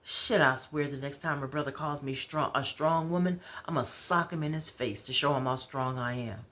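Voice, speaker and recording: A woman's voice: rumbling low, moderate pace, a bit bright. Woman acting out a blunt, protective American girlfriend. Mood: exasperated. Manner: blunt, slangy, emphatic. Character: outspoken, protective woman friend, sassy and caring.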